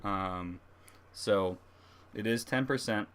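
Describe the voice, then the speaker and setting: A man hosting a casual livestream tasting review, speaking haltingly as he thinks aloud. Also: on the low side, a bit bright, smooth. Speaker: host of a beer review livestream. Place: livestream, speaking beside a laptop.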